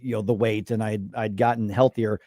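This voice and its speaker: A man in his fifties hosting a casual radio talk show interview, chatty and halting, often restarting his sentences. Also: lowish voice, flat delivery, dark tone, no echo, clean studio sound. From United States. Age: 50s. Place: radio studio. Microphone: studio microphone.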